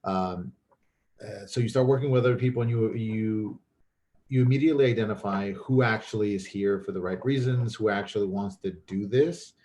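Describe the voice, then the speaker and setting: A man's voice: on the low side, normal speed, a little mellow, slight background noise. A man who grew up in Mexico and speaks Spanish as his first language, talking casually and thoughtfully as a filmmaker guest, often restarting his sentences. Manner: thoughtful, with frequent restarts and fillers. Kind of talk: casual chat.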